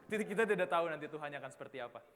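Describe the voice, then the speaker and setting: A young man in his twenties preaches to a youth service in an easy, conversational way. His voice sits a little high for a man and rings out with a long hall reverb. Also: animated, very fast, fairly bright tone. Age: 20s. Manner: casual, chatty, banters with the audience. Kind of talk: youth sermon. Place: church hall.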